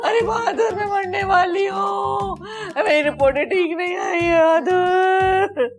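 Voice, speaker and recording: A woman's voice: very high-pitched, slow pace, vocal fry, heavily acted. Wailing hypochondriac mother. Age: older. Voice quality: wailing, complaining. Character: melodramatic hypochondriac older mother, demanding. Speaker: mother-in-law. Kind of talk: sitcom acting.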